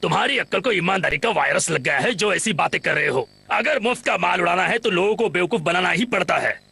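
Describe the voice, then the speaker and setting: High, gravelly cartoon con man. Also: expressive, fairly quick, bright, forceful tone, dry recording, heavily acted. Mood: sly, scornful. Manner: theatrical, cackling, mocking. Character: crafty male con artist, greedy, bossy, boastful. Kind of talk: Hindi cartoon dub. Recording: music behind the voice.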